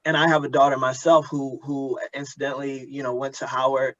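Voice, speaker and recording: A middle-aged man with an American accent hosting an interview, thoughtful and halting as he gradually builds his questions, on a dull, lo-fi recording. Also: medium pitch, flat delivery, fairly bright tone. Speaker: interviewer, host. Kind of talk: conversational interview.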